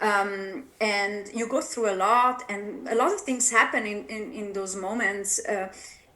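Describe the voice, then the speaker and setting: A woman's medium-pitched voice with an Italian accent, bright and sharp in tone, fairly slow, with ordinary pitch variation and audible room echo. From Italy. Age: 40s. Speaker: life coach. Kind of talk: podcast interview. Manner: halting, many fillers.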